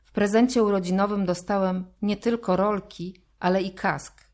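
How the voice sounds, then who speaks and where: A woman's voice: mid-range voice, steady tone, normal speed, darkish tone, natural voice. A woman voicing a sulky young boy who grumbles and sounds bored, in a storybook reading.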